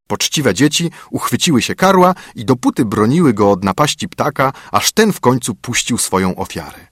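A man's voice: fairly low pitch, husky, no room sound, studio quality. A man narrating a fairy tale as an audiobook, telling it expressively. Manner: expressive storytelling.

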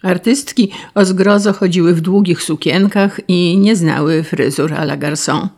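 A woman narrating a story in a measured, wry reading voice. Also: lowish voice, darkish tone.

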